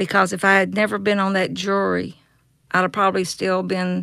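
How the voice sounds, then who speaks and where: In a very clean recording with a silent background, a woman with a Mississippi accent speaks at a medium pitch and a fairly slow pace, with a bright, sharp tone and ordinary pitch variation. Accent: Southern US (Mississippi). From US South, Mississippi (Yazoo City). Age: old. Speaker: former juror. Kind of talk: interview and talk excerpts.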